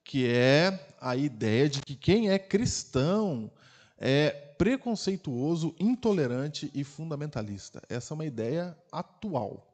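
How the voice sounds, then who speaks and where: A man with a Brazilian Portuguese accent, preaching a sermon as pastor in a conversational way, full of rhetorical questions and sharp swings between quiet and loud. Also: a little high, expressive, a little slow. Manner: loudness rises and falls sharply. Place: church.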